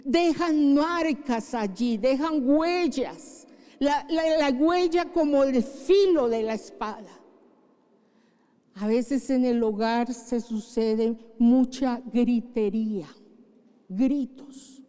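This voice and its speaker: A woman's voice: fairly high pitch, slow pace, mellow, smooth, long reverb tail. A middle-aged woman pastor preaching a sermon, praying fervently and repeating key phrases with emphasis. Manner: fervent prayer, emphatic repetition. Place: church.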